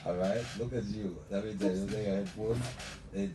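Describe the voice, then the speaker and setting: A man's voice: on the low side, fairly even intonation, a little fast. A male radio host talking effusively on a live show, repeating "let me tell you" as he builds up his guest. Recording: echoey room, mic at a distance, noisy.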